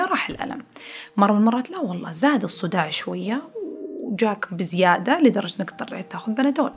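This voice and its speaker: A woman hosting a podcast, explaining ideas in a chatty way through everyday comparisons, often restarting her sentences. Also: mid-range voice. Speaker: podcast host. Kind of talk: casual explanatory talk.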